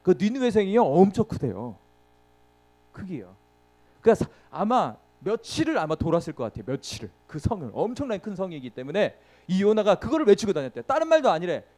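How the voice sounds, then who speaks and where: High-pitched and sing-song, this preacher's voice moves briskly with a darkish tone. Throughout his sermon he quizzes the congregation and supplies the answers himself, dramatizing the story with sound words and frequent laughter.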